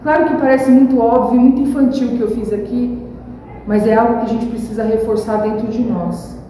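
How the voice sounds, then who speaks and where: Woman pastor, sermon; warm, slightly high voice, distant echoey church recording. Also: fairly even intonation, brisk. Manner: preaching with rising emphasis and acted examples. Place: church hall. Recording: echoey church hall from far off.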